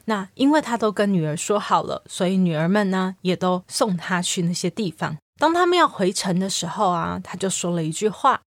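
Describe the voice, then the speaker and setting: A woman, a psychologist hosting a podcast, explaining gently and asking her listeners questions. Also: medium pitch, dry recording, clean studio sound.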